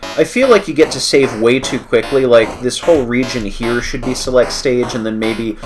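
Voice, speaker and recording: A man's voice: medium pitch, moderate pace, music in the background. A man hosting a game livestream, stuffy from a cold, with wry, self-correcting commentary as he thinks aloud. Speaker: livestream host playing a game. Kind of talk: let's-play commentary.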